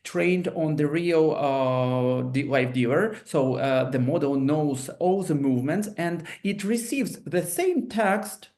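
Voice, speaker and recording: A man's voice: on the high side, lively intonation, slow, hardly any pauses, a little mellow. A man who is not a native English speaker, explaining technology on a webinar panel over a video call, hesitant and full of restarts. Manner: hesitant, many fillers and restarts.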